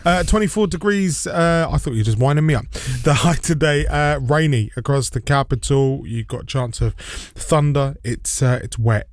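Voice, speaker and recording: A man presenting a live radio news and travel bulletin in a brisk, chatty, informal way. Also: fairly high pitch, no room sound, studio quality.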